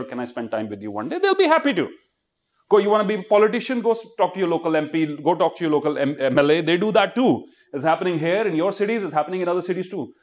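Indian guy doing a motivational talk to students, kinda high voice, pushy and emphatic, lots of questions. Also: darkish tone. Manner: emphatic, exhorting, fires rhetorical questions at the audience. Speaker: motivational speaker.

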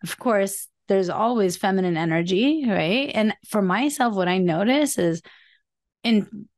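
A woman hosting a self-help podcast, speaking in a soft, fairly high voice, earnest and encouraging, often adding "like" and "right?". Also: lively intonation, measured pace. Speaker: podcast host.

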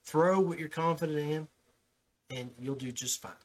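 The host of a fishing podcast, a man with a slightly high voice, chats at a moderate pace in a casual interview. He talks in a folksy manner and tends to repeat the first words of his sentences. The audio comes from a call, recorded on his own mic.

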